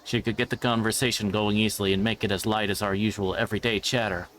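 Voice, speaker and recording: A man's voice: lowish voice, steady tone, quick pace, fairly bright tone, a faint crowd, slight background noise. A man reading a visual novel's narration aloud on a livestream, now and then stumbling over a word. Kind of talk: scripted narration read aloud live. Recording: background music.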